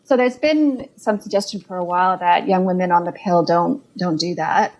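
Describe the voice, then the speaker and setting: A woman's voice: fairly low pitch, normal speed, darkish tone, low-quality recording. A middle-aged Canadian woman with a Canadian accent, a clinician guest on a podcast, explaining medical research in an earnest, detailed way. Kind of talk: podcast interview over a call.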